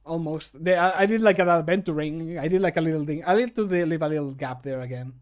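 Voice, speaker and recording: A man's voice: on the high side, fast. A man in his thirties chatting casually and jokingly on a livestream, swearing freely, close to the mic in a room at home. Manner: joking, sweary, self-deprecating. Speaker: content creator and voice actor. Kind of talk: casual livestream chat while recording. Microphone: close studio microphone.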